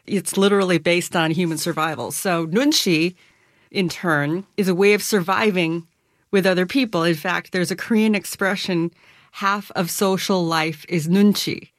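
A woman's voice: lowish voice, moderate pace, dry recording, clean studio sound. A middle-aged woman author answering interview questions in an articulate, conversational way, laughing lightly as she explains. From United States. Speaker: author and guest.

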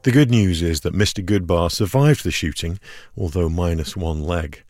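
A man reporting outdoors, narrating a documentary story in a calm, measured way. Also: sits low, no echo. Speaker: radio reporter. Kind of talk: scripted documentary narration with field interviews. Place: outdoors at a border wall, in the hot sun.

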